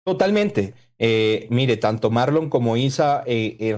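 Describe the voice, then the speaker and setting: A man from Venezuela, a political spokesman, speaking forcefully and combatively as a guest in a radio interview. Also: mid-range voice. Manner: forceful, combative political talk with emphatic lists.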